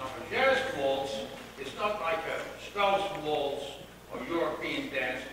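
A man with a high pitch speaks very slowly with lively intonation. Strong room echo and light background noise surround him. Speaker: composer, pianist and conductor. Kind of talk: spoken introduction to a concert piece. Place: stage. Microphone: pa.

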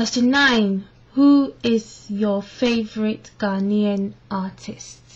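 Somewhat breathy and at a very slow pace, a woman speaks at a medium pitch with ordinary pitch variation. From London, England (childhood partly in Ghana). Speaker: YouTube vlogger. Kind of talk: casual vlog, Q&A tag video. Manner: code-switching between English and Fante. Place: home room. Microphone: webcam.

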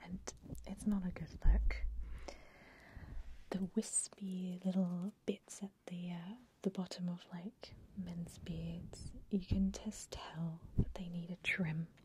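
A soft-spoken woman whispers, somewhat breathy, at a very slow pace with long, frequent pauses. Noticeable background noise is present. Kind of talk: soft roleplay talk to the viewer. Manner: soft close-mic ASMR whisper. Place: studio.

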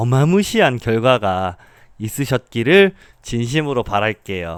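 A soft-spoken man talks very slowly at a medium pitch with very wide pitch swings. The recording is very clean, with a silent background. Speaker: gaming streamer. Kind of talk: casual gaming commentary. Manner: animated, excitable; speaking softly, avoiding loud volume.

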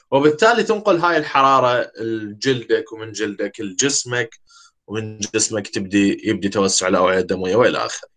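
Against a quiet background, a man with an Iraqi accent speaks in a bright, sharp tone with very wide pitch swings. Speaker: university lecturer. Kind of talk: lecture. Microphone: webcam.

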